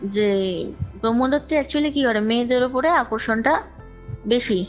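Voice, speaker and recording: A woman's voice: a little high, a little slow. A woman telling a personal story conversationally, talkative and repeating phrases for emphasis, with some English words mixed in. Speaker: guest recounting own ghost experience. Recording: dull lo-fi call recording, music underneath. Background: music.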